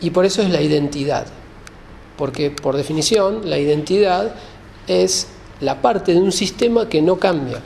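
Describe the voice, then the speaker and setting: High-pitched, creaky-voiced man lecturing. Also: lively intonation, normal speed, a little mellow, a little hiss or hum. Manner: didactic, rephrases and checks understanding. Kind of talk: explanatory lecture to an audience.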